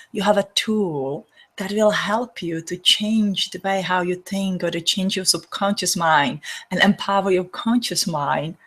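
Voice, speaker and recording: A woman with a Czech accent speaks in a slightly low, soft voice. She hosts a spiritual healing session, talking earnestly to her listeners with gentle pauses and non-native turns of phrase. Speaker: spiritual healer and host. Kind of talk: gentle spiritual talk to an online audience.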